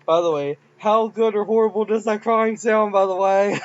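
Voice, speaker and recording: A man's voice: high voice, normal speed, muffled recording, a little hiss or hum. A man casually commenting on his own game files, rambling and giggly. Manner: rambling, giggly, self-mocking. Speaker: game modder.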